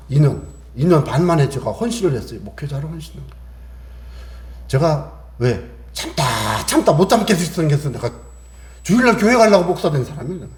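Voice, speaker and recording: High-voiced preaching pastor, echoey hall. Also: male voice, mellow. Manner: emphatic, repetitive preaching with rhetorical questions. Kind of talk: sermon.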